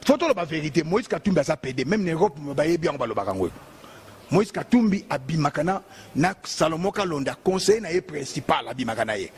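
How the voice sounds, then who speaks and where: A man's voice: on the high side, sing-song, fast talker, background noise. A man with a Congolese accent, a bishop giving a heated, emphatic, repetitive political monologue.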